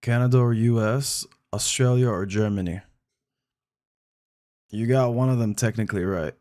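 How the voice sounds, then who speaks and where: A man's voice: mid-range voice, moderate pace, a little mellow. A man who grew up in the United Arab Emirates, streaming games and chatting in a friendly, casual way with his viewers. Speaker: game streamer. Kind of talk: casual live-stream chat.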